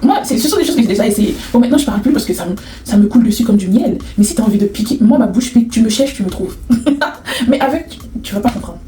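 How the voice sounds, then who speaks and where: A woman's voice: fairly high pitch, lively intonation, fast, mellow, a little hiss or hum. A woman vlogging casually to camera in a sassy, teasing way, laughing often. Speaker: hair vlogger.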